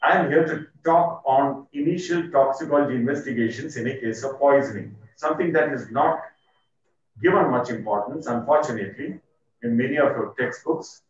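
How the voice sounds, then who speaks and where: A man with an Indian accent gives a formal, measured medical lecture, his voice muffled by the face mask he is speaking through. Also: medium pitch. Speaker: toxicology lecturer, poison centre doctor. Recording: muffled, very echoey, distant microphone.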